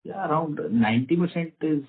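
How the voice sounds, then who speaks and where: Husky-voiced Indian male executive answering investor questions over a thin conference phone line. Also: on the high side, fairly quick. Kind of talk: earnings call answers. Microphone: phone conference call.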